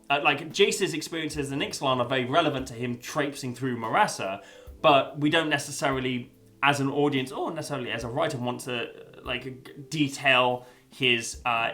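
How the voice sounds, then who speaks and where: Rambling young man, bright voice. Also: medium pitch. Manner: rambling, full of fillers and restarts, swears. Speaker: video essayist reviewing a story. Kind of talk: casual spoken review.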